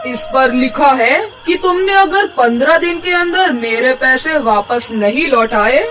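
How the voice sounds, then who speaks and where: A woman's voice: sits high, animated, unhurried, fairly bright tone, recorded from a distance. A woman voicing a sly, businesslike male jewellery shop owner, set back from the mic with faint music.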